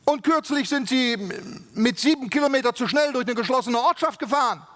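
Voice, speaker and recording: A man's voice: very high-pitched, fairly quick, a bit bright, voice pushed up. A man voicing a brusque male Swiss official who gives curt, pedantic orders. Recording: long reverb of a large hall.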